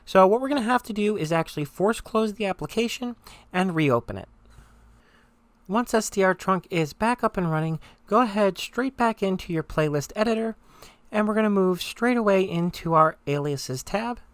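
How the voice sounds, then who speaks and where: Step-by-step software instructions come from a presenter with an expressive, medium-pitched voice speaking at normal speed. The recording is dry, and the delivery stays conversational and instructional.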